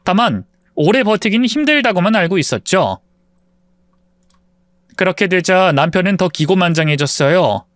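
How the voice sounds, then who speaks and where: A man narrating a dramatized first-person story in a calm, steady way. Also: high-pitched, normal speed, dry recording, clean studio sound.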